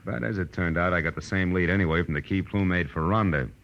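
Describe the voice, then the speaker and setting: Deep-voiced hard-boiled radio private eye. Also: male voice, fast talker, highs cut off. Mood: matter-of-fact. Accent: American. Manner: wry, clipped, slangy. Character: wry, hard-boiled male private detective, worldly and tired. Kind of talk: 1940s radio detective acting, first-person narration.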